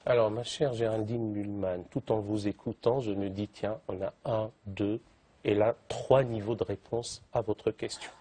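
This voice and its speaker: Eloquent husky-voiced man in a TV debate. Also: lowish voice, steady tone, measured pace, dark tone. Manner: eloquent, elaborate vocabulary, piles up synonyms. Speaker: guest theologian in a TV debate. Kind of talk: televised studio debate.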